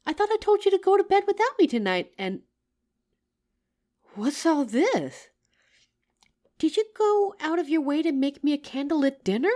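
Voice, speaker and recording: A woman's voice: sits high, normal speed, long pauses. A woman playing a loving, teasing working wife, tired after work, in an affectionate roleplay addressed to the listener. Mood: touched, affectionate. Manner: affectionate, playful, expressive.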